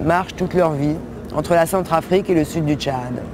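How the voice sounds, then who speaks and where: Noticeable background noise and audible room echo accompany a woman's voice. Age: 60s. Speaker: photographer. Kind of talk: interview. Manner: halting.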